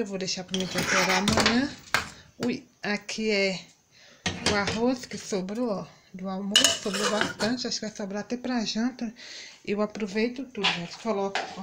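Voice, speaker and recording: A middle-aged Brazilian woman talks chattily to the viewers of her home vlog, filmed on a handheld phone in her kitchen. Her voice sits at an ordinary middle pitch. Loud clattering of dishes and pans runs under her speech. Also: very noisy. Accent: Brazilian Portuguese. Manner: chatty, addresses viewers as "gente". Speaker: vlogger. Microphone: handheld phone camera.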